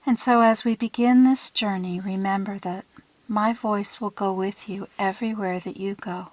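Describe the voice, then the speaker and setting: A woman leading a guided visualization in a soothing, hushed manner, with deliberate phrasing and breathy trailing ends. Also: mid-range voice, fairly even intonation, dry recording, low-quality recording. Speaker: guided meditation leader.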